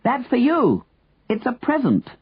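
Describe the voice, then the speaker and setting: Guy doing eager cheery young man from a story, way high pitch, bit husky. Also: wildly swooping pitch, quick pace, no echo, lo-fi sound, heavily acted. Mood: excited shouting. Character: exuberant, generous young man shouting from a balcony.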